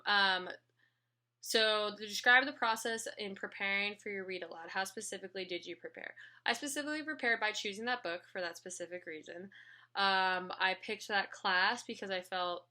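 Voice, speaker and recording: Bright-voiced young woman, chatty and informal. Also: medium pitch, moderate pace. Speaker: student teacher. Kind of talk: casual spoken reflection.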